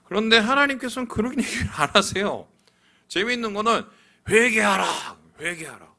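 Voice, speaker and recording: A middle-aged pastor delivers a sermon with a bright, forward tone. His pitch swings widely as he preaches and acts out the voices he quotes. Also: lively intonation, a little fast.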